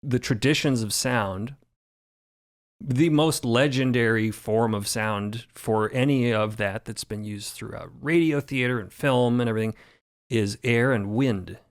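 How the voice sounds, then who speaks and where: A man explaining his craft casually on a panel, deliberate and expressive, savoring his words. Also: mid-range voice. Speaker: sound designer, panel guest.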